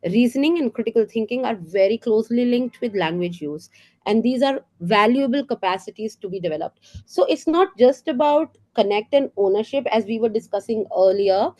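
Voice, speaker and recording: A middle-aged woman with an Indian English accent talks teachers through classroom ideas, her voice sitting a little high. She explains earnestly, checks in with rhetorical questions and fills pauses with small ums and uhs. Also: expressive, dark tone. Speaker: teacher trainer. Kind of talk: professional development talk for teachers.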